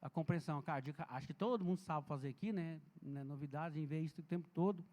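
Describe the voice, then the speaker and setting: A man with a notably high voice gives a chatty, story-filled seminar talk, speaking directly to the listeners. His voice rings with a long reverb off the walls of a large church hall. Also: quick pace, a little mellow, lo-fi sound. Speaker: health and safety speaker. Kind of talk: informal seminar lecture.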